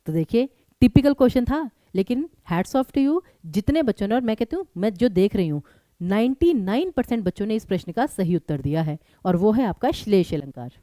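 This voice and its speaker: A young woman teaching a live online exam-prep class. She talks briskly and keeps urging her students to answer quickly, mixing English words into her Hindi. Her voice is mellow and the sound is close and dry. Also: medium pitch, big pitch swings, no room sound.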